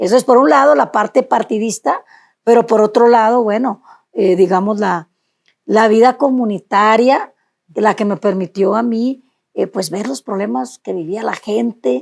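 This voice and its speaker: With a Sinaloan accent, a woman speaks fairly slowly at a fairly high pitch and with lively intonation, in a dry, close sound with no echo. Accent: Sinaloan Mexican. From Mexico, Sinaloa (Guasave). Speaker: senator, politician. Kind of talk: interview. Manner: hesitant, many fillers.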